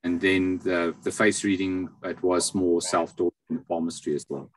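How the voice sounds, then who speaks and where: Male interview guest, low voice, explanatory, halting phrasing, on a video call. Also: little pitch movement, rough recording. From South Africa. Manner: halting, pausing often mid-phrase. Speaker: interview guest, astrologer and palm reader.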